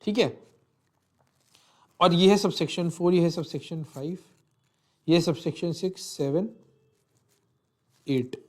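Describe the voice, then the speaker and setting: Walking through a legal text in an online lecture, this man speaks a little high and a little slow, pausing often. His Hindi explanation is sprinkled with English legal terms, and he repeats himself while checking in with "thik hai."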